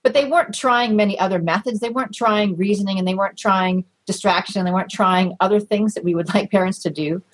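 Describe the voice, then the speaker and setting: Husky-voiced woman explaining research. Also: medium pitch, fairly even intonation, poor audio. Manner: measured, explanatory, with light laughs and fillers. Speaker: research guest. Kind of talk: conversational interview.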